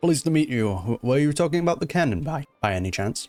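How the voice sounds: In a strained, put-on character voice, a man rattles along at a very fast pace with fairly high pitch and very wide pitch swings, faint music playing in the background.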